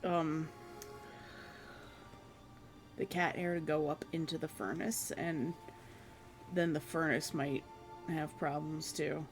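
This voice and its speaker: Hoarse home streamer, middle pitch, rambling self-mocking chat, faint music behind. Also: fairly even intonation, slow pace, pauses often. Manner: rambling, self-deprecating, laughs often. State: hoarse, losing voice. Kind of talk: casual chat with viewers. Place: own room at home.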